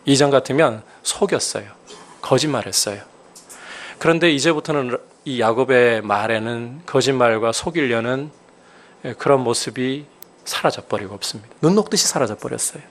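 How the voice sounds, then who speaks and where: A man's voice: mid-range voice, moderate pace. A male pastor preaching a sermon, explaining scripture and building to emphatic, raised peaks.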